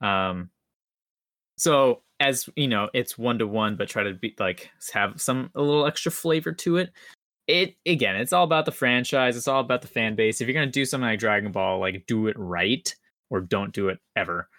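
A man's voice: medium pitch, moderate pace, a bit bright, dry recording, clean studio sound. A young man podcast co-host chatting casually in an enthusiastic, rambling, slangy way. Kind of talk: casual chat.

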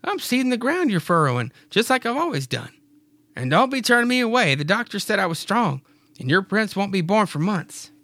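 A man voicing a young farm wife, in a high put-on voice that slides into a southern drawl. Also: big pitch swings, a little fast, pushed and bright, dry recording, exaggerated voice. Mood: teasing.

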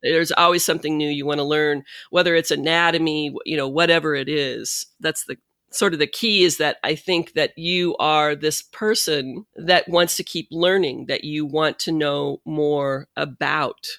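A woman's voice: low-pitched, steady tone, normal speed, fairly bright tone, dry recording, studio quality. A middle-aged woman yoga teacher hosting a casual conversation, talking in long reflective runs and laughing easily. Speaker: podcast host, yoga teacher.

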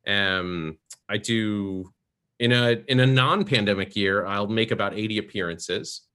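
A man telling stories about his work as a professional Santa in a podcast interview, chatty and animated. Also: fairly low pitch, measured pace, smooth. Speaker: guest, professional Santa performer.

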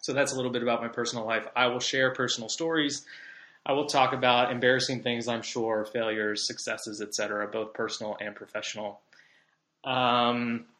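A man's voice: mid-range voice, level tone, a little fast, pushed and bright, reverberant. A man of about thirty from Southern California, hosting a podcast in a chatty, rambling monologue with many fillers. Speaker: podcast host. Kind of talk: casual monologue.

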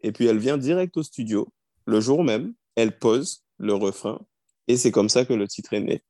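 A man in his thirties, a singer-songwriter, telling how his songs came together in a relaxed interview. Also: medium pitch, moderate pace, no room sound, clean studio sound. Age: 30s. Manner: storytelling, easygoing, frequent fillers.

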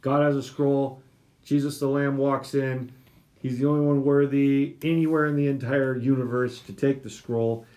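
A man's voice: medium pitch, flat delivery, moderate pace, dark tone. Chatty young man teaching scripture. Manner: chatty, lots of fillers and restarts. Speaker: Bible study podcast host. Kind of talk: casual Bible teaching chat.

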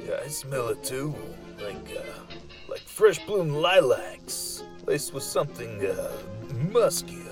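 A man's voice: medium pitch, big pitch swings, slow pace, faint music behind. A man playing an exasperated, cautious friend in an audio drama, wearily scolding with casual swearing. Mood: intrigued. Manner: weary, nagging, casual swearing. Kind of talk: audio fiction acting.

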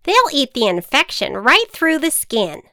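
A woman's voice: high-pitched, huge pitch swings, measured pace, sharp tone, no echo, clean studio sound, pitched above the performer's own voice, full character voice. A woman voicing a quirky wicked witch who speaks with confident, matter-of-fact authority in a children's storybook. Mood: bossy, matter-of-fact.

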